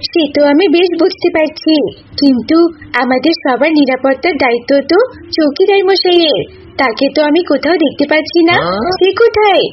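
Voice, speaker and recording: A bold, sharp-tongued cartoon doe played by a woman, very high in voice. She sounds pointed and assertive. The recording is slightly muffled, with faint noise. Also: fairly quick, natural voice. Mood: concerned. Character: sharp, outspoken female deer of the forest. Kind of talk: cartoon voice acting.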